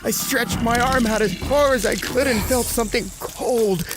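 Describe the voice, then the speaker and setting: An actor playing a terrified, dying man who tells his horror story in a strained, halting way. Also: very high-pitched. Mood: desperate, frightened. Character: terrified, dying man trapped with giant snake. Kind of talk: dramatized horror audio narration. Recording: music under the voice.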